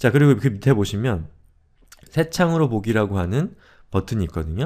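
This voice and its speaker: Over a very clean recording with a silent background, a man with a fairly low, dark, mellow voice sends his pitch through very wide swings. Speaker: online computer instructor. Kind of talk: tutorial. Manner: fast.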